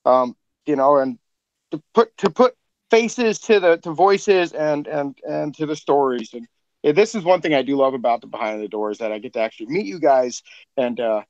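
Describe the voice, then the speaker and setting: A laid-back man hosts a podcast chat, joking and laughing with his guests. His voice sits a little high. The sound is dry and somewhat muffled, like a remote call. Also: moderate pace, a little mellow, dry recording. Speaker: podcast host. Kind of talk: casual chat.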